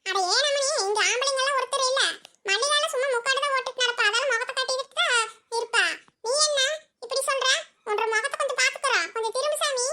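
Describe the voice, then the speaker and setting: A woman's voice: very high-pitched, fast, pushed and bright, slight background noise. A woman voicing a nosy, scolding old village mother-in-law in a cartoon comedy, grumbling and bossy in Kongu Tamil. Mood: prying.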